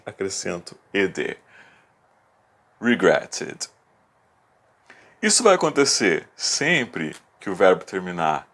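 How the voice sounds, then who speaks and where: A man teaching a video lesson, explaining rules patiently and step by step, repeating key words slowly. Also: lowish voice. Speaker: English teacher.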